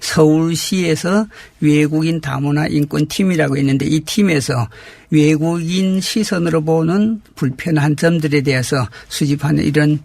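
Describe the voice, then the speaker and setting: A man with a fairly high voice full of creak, recorded dry and close. He gives formal, measured explanations as an interview guest. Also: darkish tone, dry recording. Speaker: interview guest, community representative.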